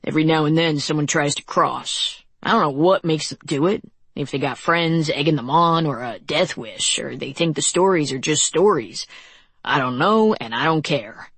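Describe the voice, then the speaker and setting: A woman's voice: sits low, moderate pace, fairly bright tone, breathy edge, no echo, exaggerated voice. A woman voicing a male border soldier who talks in a blunt, dismissive way.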